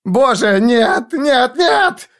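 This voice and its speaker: A man voicing a man screaming in hysterical terror, with high shrieking and panicked pleading. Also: slow pace, a bit bright.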